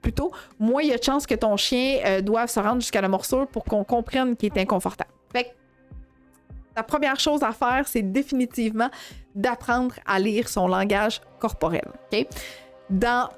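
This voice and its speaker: A woman with a Québécois accent talking through her dog-training show in a relaxed, chatty way. Her voice sits a little high, and she leans on hesitations and corrects herself as she goes. Soft music plays faintly behind her. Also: moderate pace. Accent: Québécois French. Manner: chatty, heavy on fillers and self-corrections. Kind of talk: casual live-show talk to viewers.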